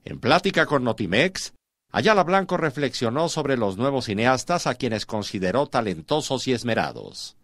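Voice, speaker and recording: A man reading scripted news narration in a clear, lively newsreader manner. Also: medium pitch, moderate pace, dry recording, clean studio sound.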